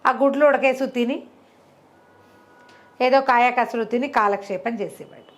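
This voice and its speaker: A woman telling a folk tale in a colloquial, conversational way, with animated asides. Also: a little high, unhurried. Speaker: storyteller. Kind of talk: conversational oral storytelling of a folk moral tale.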